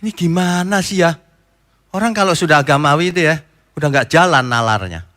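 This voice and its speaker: Lively, animated male preacher. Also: a little high, brisk. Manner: animated, joking preacher who acts out quoted people. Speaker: pastor. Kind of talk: sermon.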